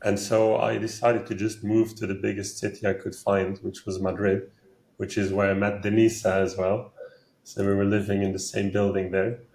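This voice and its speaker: A man, a summit co-founder, talks in a relaxed, casual way in an interview. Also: fairly low pitch, normal speed, gravelly, reverberant.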